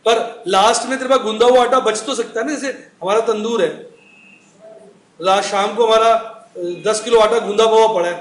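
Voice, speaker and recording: A man's voice: high-pitched, fairly even intonation, normal speed. A middle-aged man teaching accounts in a recorded classroom lecture, chatty, asking the class questions and answering them himself. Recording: echoey room with faint noise.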